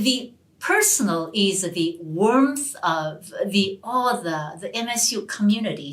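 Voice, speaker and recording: A middle-aged woman professor, an English speaker, telling stories in an interview, animated and often restarting her words. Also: fairly low pitch. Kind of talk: storytelling interview answers. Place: university hall.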